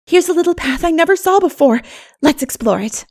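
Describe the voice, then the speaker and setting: A woman's voice: very high-pitched, expressive, brisk, voice pushed up. A woman reading an audiobook as an exuberant, dreamy young woman who talks in an earnest, gushing, flowery way. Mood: earnest delight. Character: Anne, exuberant, dreamy, poetical schoolgirl-spirited young woman. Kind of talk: audiobook character voice.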